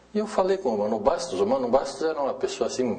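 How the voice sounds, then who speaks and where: Background noise is noticeable here. A man speaks at a moderate pace. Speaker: radio actor. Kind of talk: interview answer. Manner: casual, reminiscing.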